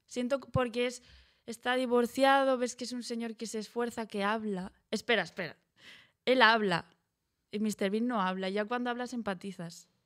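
A woman's ordinary speaking voice, fairly high in pitch, with fairly even intonation, a moderate pace and a quiet background. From Gandia, Valencia, Spain; Valencia, Spain. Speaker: comedian and content creator; guest. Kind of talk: casual chat. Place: studio. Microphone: studio mic.

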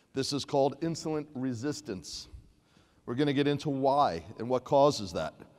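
A man talks in an animated tone at a fairly high pitch and moderate pace. The recording is very clean with a silent background. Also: ordinary pitch variation. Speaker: business executive presenting a product launch. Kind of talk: sales pitch. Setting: stage with audience.

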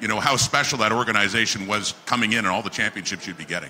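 Light noise is present in the background. The man's speech is very fast. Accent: Canadian. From Canada. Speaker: sports broadcaster, panel moderator. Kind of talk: panel discussion. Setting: stage with audience. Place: stage. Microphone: handheld.

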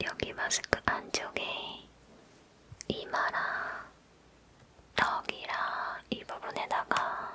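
Someone whispers over noticeable background noise. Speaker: ASMR creator. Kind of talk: ASMR unboxing. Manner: whispered.

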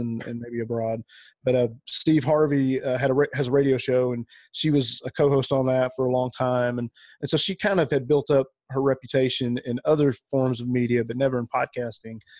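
Against a quiet background, a man with an Alabama accent speaks at a fairly quick pace in a medium pitch, his intonation fairly even and the sound dry with no echo. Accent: Alabama, Southern US. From Alabama, US. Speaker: podcast host and conference co-founder; podcast host. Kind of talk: interview answer. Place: home room. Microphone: studio mic.

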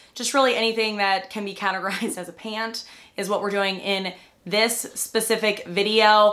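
A woman is speaking. Her pace is moderate. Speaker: fashion haul vlogger. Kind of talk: casual vlog chat. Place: home room.

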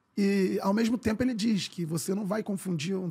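With a dark, mellow tone, a man speaks at a fairly quick pace, high in pitch with ordinary pitch variation. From Rio de Janeiro, Brazil. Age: 30s. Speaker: sports journalist and YouTuber; sports journalist, YouTuber. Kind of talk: casual chat. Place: studio. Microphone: studio mic.

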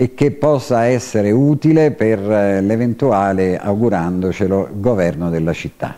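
This man has a dark, mellow tone and lively intonation. He speaks at a very slow pace. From L'Aquila, Abruzzo, Italy. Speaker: local politician. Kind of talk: interview.

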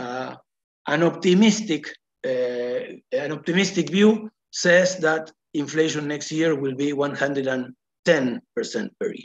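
Very slow delivery in a Spanish accent. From Argentina. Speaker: economics researcher; panelist. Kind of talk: webinar presentation; panel Q&A. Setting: video call. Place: home room. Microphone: video call.

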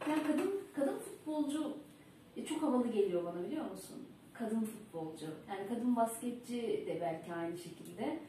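Amid audible room echo and light background noise, a woman with a fairly high pitch speaks in very wide pitch swings. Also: moderate pace. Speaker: sports show host. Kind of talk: interview. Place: office.

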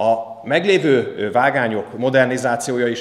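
This man's voice sits at a medium pitch. Room echo can be heard. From Hungary. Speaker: member of parliament. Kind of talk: parliamentary committee speech. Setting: parliamentary committee meeting. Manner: formal. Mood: critical, argumentative. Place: meeting room. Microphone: podium.

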